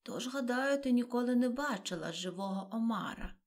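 An eager, polite young girl from a storybook, her voice lifted noticeably higher and brighter than the reader's own, as a woman puts her on. She exclaims with quick, wide-eyed enthusiasm. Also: expressive.

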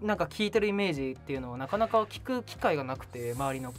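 A man's voice: a little high, animated, quick pace. A man hosting a radio show in casual chat, on a studio microphone. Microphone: studio microphone on boom arm. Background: background music.

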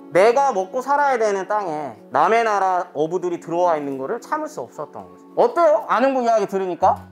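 A woman teaching history to a class of children, telling the story and quizzing the pupils as she goes. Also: mid-range voice. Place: school classroom.

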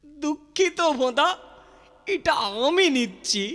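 A man's voice: extremely high pitch, lively intonation, takes it slowly, fairly bright tone, exaggerated voice. A man voicing a mischievous, spiteful cartoon schoolboy with a gloating, teasing way of talking. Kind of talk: children's cartoon dubbing. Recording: long reverb, faint music behind.

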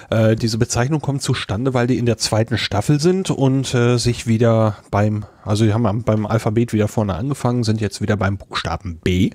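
Dry-sounding, mid-pitched male podcaster. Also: darkish tone, slightly rough, dry recording. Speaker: podcast co-host. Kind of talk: unscripted podcast recommendation.

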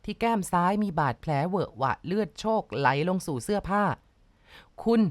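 A woman narrating a ghost story in a measured, dramatic storytelling manner. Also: fairly low pitch, lively intonation, dry recording.

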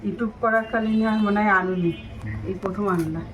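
A middle-aged woman who vlogs about home cooking talks casually to her viewers at a medium pitch and moderate pace, repeating herself as she explains each step. The home recording is noisy, with ambient sound.

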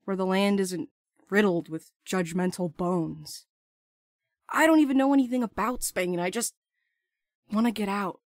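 Blunt sardonic courier played by a woman, mid pitch, urgent audio drama style, close dry sound. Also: a little slow, long pauses, no echo, close to an everyday voice. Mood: earnest, confessing. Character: restless, blunt young courier Val, eager to escape.

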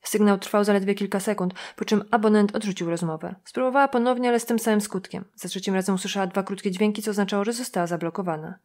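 Female audiobook narrator, steady and measured, mid-pitched. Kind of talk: scripted narration.

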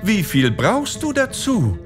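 Give me a man doing a wheedling, high-voiced scheming wife from a storybook, slow and mock-sweet. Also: huge pitch swings, music in the background, exaggerated voice. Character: shrewd scheming wife haggling over debts.

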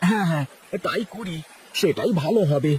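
A man voicing a kindly village landlord in a cartoon, who starts his lines with a drawn-out "e-". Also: a little high, lively intonation, a little mellow, slight background noise, natural voice, poor audio. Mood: urgent calling. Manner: calls out with a drawn "e-" before lines. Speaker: cartoon voice actor. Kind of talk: dubbed cartoon acting.

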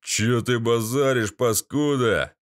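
A man voicing a rough, foul-mouthed former paratrooper comrade in an audiobook. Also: mid-range voice, slow, lightly acted. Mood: gruff. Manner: coarse, gruff, offhand cursing.

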